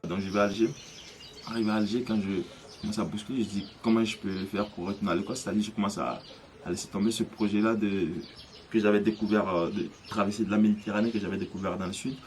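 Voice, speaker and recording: A man, lowish in pitch, recounts his own story. He halts and restarts often, searching for words. Faint birdsong stays behind him outdoors. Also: fairly even intonation, a little hiss or hum. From Côte d'Ivoire. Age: 30s. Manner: hesitant, halting, many restarts. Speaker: interviewee. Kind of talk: personal testimony.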